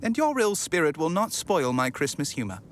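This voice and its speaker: An actor playing a cheerful, earnest, good-hearted young gentleman pleading in a theatrical radio drama. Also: on the high side, sing-song, normal speed, slight background noise.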